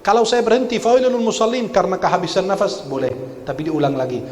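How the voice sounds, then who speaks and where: A man from the Arab world, giving a lively lecture in a mosque, teasing the crowd and drilling them on how to pronounce Quran verses. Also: high voice, fast. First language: Arabic. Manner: animated, teasing, drills pronunciation with the audience. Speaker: Quran teacher and preacher. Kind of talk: religious lecture with recitation drills. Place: large mosque hall. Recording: echoey mosque hall with faint ambience.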